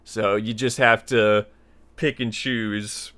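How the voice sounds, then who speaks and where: A man's voice: lowish voice, fairly even intonation, slow pace, a bit bright, clean tone. A man hosting a tutorial, explaining his opinions in a conversational, rambling way and repeating himself for emphasis. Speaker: tutorial series host. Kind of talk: informal spoken lesson, opinionated explanation.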